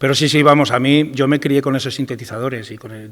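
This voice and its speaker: Noticeable background noise runs under this recording. A man talks very fast at a medium pitch. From Huesca, Aragon, Spain. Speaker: film composer. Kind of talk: panel discussion. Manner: halting, many fillers and repetitions.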